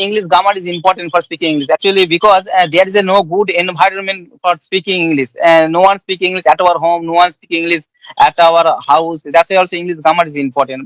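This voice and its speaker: Polite Bengali-accented man, high voice. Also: a bit bright, dry recording, low-quality recording. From West Bengal, India. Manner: polite, formal questions, says "ma'am". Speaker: interviewer. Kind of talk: conversation practice interview.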